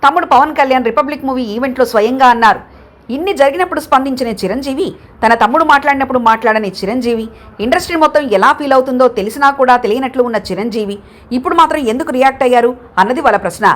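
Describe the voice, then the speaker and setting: A woman reading a scripted news report in a brisk, even newsreader manner. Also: sits high. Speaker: news reader.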